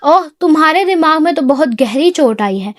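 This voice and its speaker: A woman reading aloud plays a stern, rule-bound businessman, curt and exasperated, with barely any lowering of her own high voice. Dry close sound. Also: animated, no room sound.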